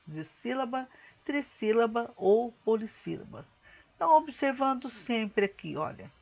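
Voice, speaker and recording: A schoolteacher talks her pupils through an exercise, patient and methodical, stretching some words out slowly to show their syllables. Her voice sits at an ordinary middle pitch for a woman. The recording sounds a bit dull and lo-fi. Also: fairly bright tone. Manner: patient, explains step by step, slows words down to split syllables. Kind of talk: recorded remote lesson.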